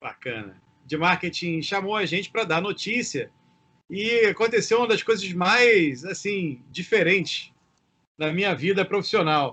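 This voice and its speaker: Speaking in a raised, projected voice, a man talks at a fairly slow pace. His pitch is high and his tone bright and sharp. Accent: slight Rio de Janeiro. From Rio de Janeiro, Brazil. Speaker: co-host. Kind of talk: casual chat.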